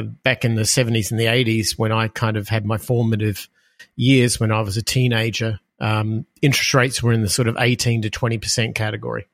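A man in his fifties with an Australian accent talks as a podcast guest, rambling and self-deprecating, with plenty of ums along the way. His voice sits at an ordinary pitch for a man. The recording is dry and close, with no room sound. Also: no room sound. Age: 50s. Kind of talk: casual interview storytelling.

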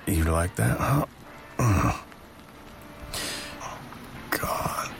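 Man acting as seductive doting husband, romantic audio role-play, intimate murmur right in the ear, slow unhurried delivery, rumbling bass register. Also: exaggerated voice. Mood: teasing, aroused. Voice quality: deep, gravelly. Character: doting, teasing, seductive new husband on honeymoon. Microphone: very close microphone.

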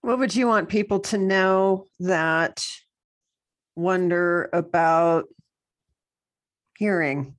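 A woman with a low voice hosts a casual podcast. She asks questions in a warm, encouraging way and reacts with enthusiasm. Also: drawn-out words, pauses often. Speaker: podcast host.

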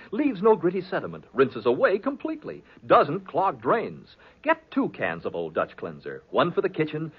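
A man's voice: fairly high pitch, slightly rough. An American man announcing and narrating in an emphatic 1940s radio style. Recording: dull, muffled 1940s radio recording.

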